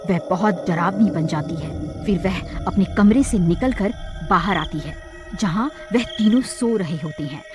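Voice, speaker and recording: Woman narrating a cartoon horror story. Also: mid-range voice. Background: music.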